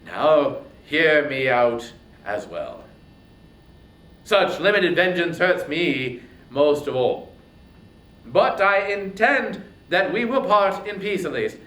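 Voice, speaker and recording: A man voicing a wronged warrior king, commanding, grave and bitter, in a loud, declamatory epic reading. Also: fairly high pitch, expressive, slow, voice pushed up. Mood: commanding, aggrieved. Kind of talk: dramatic reading of ancient epic poetry. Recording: roomy echo, distant mic, faint noise.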